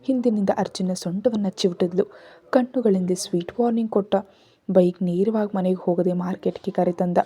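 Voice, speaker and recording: A woman's voice: medium pitch, fairly even intonation, a little fast, dark tone, slightly rough. A woman reading a romantic family story aloud as a storyteller, voicing the characters' lines in her own narrating voice.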